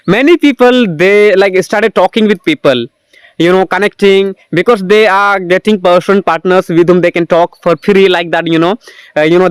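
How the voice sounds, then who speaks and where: A man with an Indian English accent talking on a video call, filling every pause with "you know" and "yes, yes". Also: sits high, clear, resonant tone, no echo, rough recording. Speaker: English learner hosting a practice call. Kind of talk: casual conversation practice.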